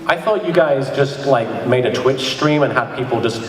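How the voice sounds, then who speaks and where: A man's voice: medium pitch, moderate pace. A man talking casually and jokingly to an audience as a panelist at a convention. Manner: joking, informal. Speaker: panelist and web parody series creator. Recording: echoey hall from far off, crowd audible.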